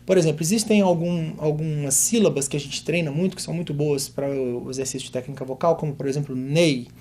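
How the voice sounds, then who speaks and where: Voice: mid-range voice, fast talker, warm tone, slight background noise. A voice teacher with a Brazilian Portuguese accent, explaining vocal technique and demonstrating vowels and drill syllables aloud.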